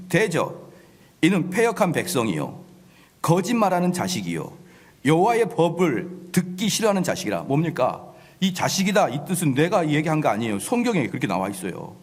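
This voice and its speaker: A man's voice: fairly high pitch, wildly swooping pitch, normal speed, slightly rough, in a large hall. A man preaching a sermon as a pastor, emphatic, often voicing the complaints of his listeners. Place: church sanctuary.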